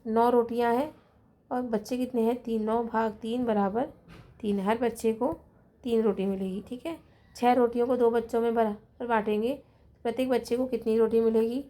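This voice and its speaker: A woman teaching a children's math lesson, who explains slowly and patiently, counts items out loud and keeps checking in with her pupils, with a Hindi accent of Rajasthan. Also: on the high side, fairly even intonation.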